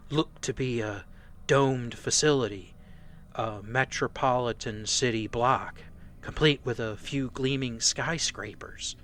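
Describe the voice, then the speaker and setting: Man acting a slow, halting, shaken soldier. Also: mid-range voice, a bit bright. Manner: halting, stammering, haunted. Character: shaken, nervous male mercenary foot soldier giving testimony. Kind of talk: radio play dramatic monologue.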